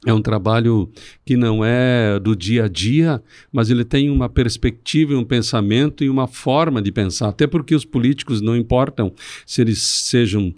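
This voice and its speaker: A middle-aged man from southern Brazil, a city councilman guest on a podcast, speaking in a measured, speechifying way with some restarts. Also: medium pitch, a little mellow, dry recording, studio quality. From Rio Grande do Sul, Brazil. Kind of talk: podcast interview.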